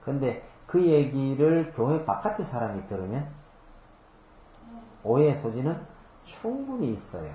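In an echoey room, a pastor gives a conversational Bible-teaching sermon, patiently unpacking scripture through homely examples and rhetorical questions. His voice is medium-pitched and mellow, with big pitch swings, and he speaks unhurriedly.

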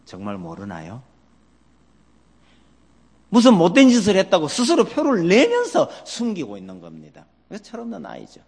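A man's voice: fairly high pitch, breathy edge. A man preaching a sermon as a pastor, animatedly asking his congregation questions. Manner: asks the congregation many questions; animated, acts out quoted voices. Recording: long hall reverb.

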